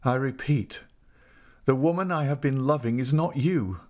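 A man's voice: medium pitch, normal speed, a little mellow, voice pushed up, lightly acted. A man playing a stunned, rigid young husband, grave and incredulous, in a dramatic audiobook reading. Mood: cold rejection. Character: stunned, rigid young husband, coldly rejecting his wife.

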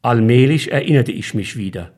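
A man reading his own short story aloud in a calm, measured storytelling manner. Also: mid-range voice. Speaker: author and reader.

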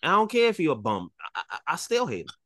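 A man's voice: a little high, wildly swooping pitch, fast talker, bright, forceful tone. A man with an African American accent in casual, slangy sports talk as a podcast co-host, insistent and often repeating himself. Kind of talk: casual sports chat with friends, slangy and profane.

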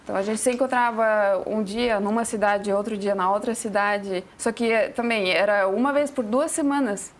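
A woman's voice: mid-range voice, normal speed, hardly any pauses. A woman from Russia's Ural Mountains with a Russian accent, answering interview questions in a second language and searching for words as she goes. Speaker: talk show guest, fashion designer. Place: TV studio.

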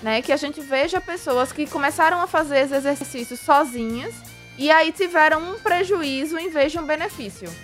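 Soft music plays behind a high-pitched, slightly bright Brazilian woman speaking at normal speed. As the pelvic physiotherapy guest on a radio show, she explains an exercise in stages, teaching in a chatty way and leaning on diminutives and tag questions.

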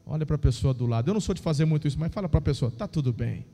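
A man's voice: on the high side, expressive, racing, mellow. A man with a Brazilian accent preaching a charismatic church sermon, exhorting the congregation with informal asides. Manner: exhorting, prompting the congregation to repeat and respond. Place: church hall during a service. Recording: echoey hall with music behind.

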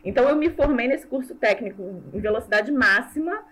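A woman from Brazil with a Brazilian Portuguese accent, a language teacher chatting as an interview guest, self-mocking and quick to laugh. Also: a little high, animated, a bit bright, slight background noise, poor audio. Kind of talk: casual conversational interview.

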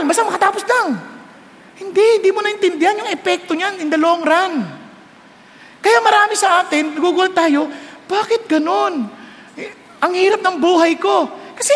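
A man preaching an animated sermon to his congregation, asking rhetorical questions and slipping English phrases into his talk. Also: very high voice. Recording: echoey hall reverb.

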